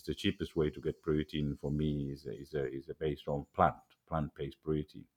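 Guesting on an interview, a middle-aged Somali-accented agriculture executive speaks casually in a very deep, darkish voice. He hesitates often, with plenty of fillers and false starts.

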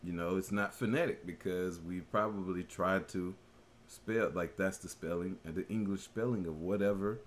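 A man's voice: deep voice, steady tone, normal speed, slight background noise. A man co-hosting a podcast, talking casually and hesitantly with many fillers and restarts. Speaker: podcast co-host. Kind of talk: casual chat.

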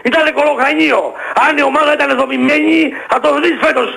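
A man playing a cranky older male basketball-fan caller who shouts and rants in a radio comedy sketch. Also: very high voice, fairly even intonation, gravelly, heavily acted, rough recording. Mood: ranting. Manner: shouting, ranting, insulting.

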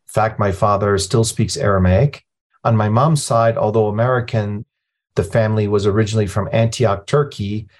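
Lebanese-born man, low plainspoken voice. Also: fairly even intonation, moderate pace, a little mellow. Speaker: nonprofit president, guest. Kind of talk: conversational storytelling interview.

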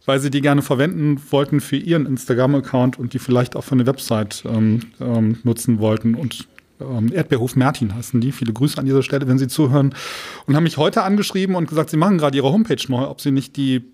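A man's voice: mid-range voice, steady tone, fast talker, darkish tone, husky. A man from the Ruhr area of Germany chatting casually as a podcast co-host, telling jokey anecdotes.

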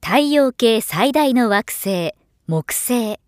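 A woman giving scripted narration as a professional voiceover artist, with a measured, polished delivery. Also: a little high, expressive, dry recording, studio quality.

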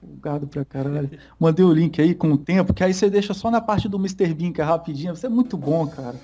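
A man's voice: on the high side, quick pace, warm tone. A young Brazilian man chatting casually as co-host of a podcast, laid-back and slangy, laughing often.

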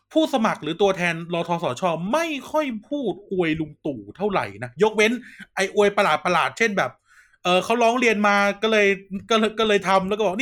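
A man's voice: high-pitched, a bit bright. A Thai man co-hosting a podcast, chatting casually and jokingly, often repeating words as he talks. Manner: fast, joking, repeats words while talking. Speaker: podcast co-host. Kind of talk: casual political chat.

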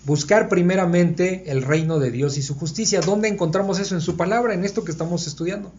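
A man's voice: sits high, a little fast, darkish tone, a little hiss or hum. A man leads a conversational Bible study for a small group. He thinks aloud and keeps checking that his listeners are following. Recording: dull lo-fi recording.

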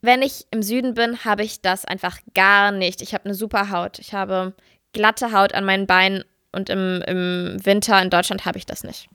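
Casting: female podcast co-host, mid-pitched voice, relaxed conversational anecdotes, very dry studio-like sound. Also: normal speed, smooth, no room sound. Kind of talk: casual chat, personal anecdotes.

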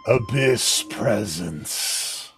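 A game master voicing a menacing, coaxing villain from the abyss in a slow, ominous manner for a tabletop game. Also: mid-range voice, lively intonation, faint music behind.

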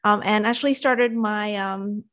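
A woman's voice: mid-range voice, unhurried, fairly bright tone. A woman in her thirties from Indonesia, raised in Sydney, whose first language is Indonesian, speaking as an interview guest over a video call in an articulate, upbeat way. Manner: articulate, upbeat, laughs easily. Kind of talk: casual interview.

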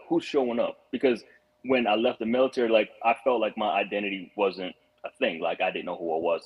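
A man's voice: on the low side, slightly rough. A man from Rwanda, a guest on a podcast, telling his story in a reflective, earnest way with frequent restarts. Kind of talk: casual podcast conversation. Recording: muffled lo-fi audio.

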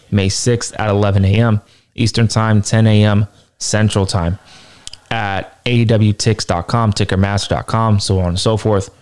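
A man with a hoarse, tired voice reads a wrestling announcement aloud, then gives his opinion with emphatic repetition. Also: on the low side, a little mellow. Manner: emphatic, repeats points for stress. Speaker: wrestling news commentator.

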